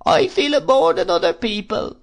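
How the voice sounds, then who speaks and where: A man's voice: high voice, very animated, moderate pace, voice pushed up. A man reading aloud voices a tearful, self-pitying older widow who laments in a plaintive, wailing way. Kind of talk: audiobook character voice.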